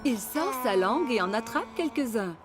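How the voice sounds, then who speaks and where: A woman narrates a children's cartoon story from a script. Her voice is fairly high and moves up and down in a very animated way, with clear music behind it. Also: moderate pace.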